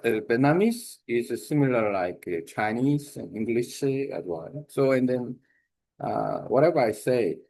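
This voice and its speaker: A man with a Korean accent, a native Korean speaker, giving an informal spoken lesson on language learning, halting with many fillers and restarts. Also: lowish voice, darkish tone, poor audio. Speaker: language exchange host.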